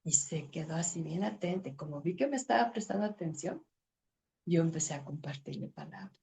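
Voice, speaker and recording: A middle-aged woman teaching a women's ministry Bible lesson, expressive, acting out dialogue and reading scripture slowly. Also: on the low side, vocal fry. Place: church.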